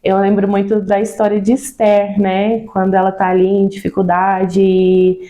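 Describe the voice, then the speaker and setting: In a casual interview conversation, a Brazilian woman talks about children's ministry with an earnest, insistent manner, repeating words and often tagging "né." She has a Brazilian Portuguese accent and a mellow, medium-pitched voice delivered completely flat at a normal speed.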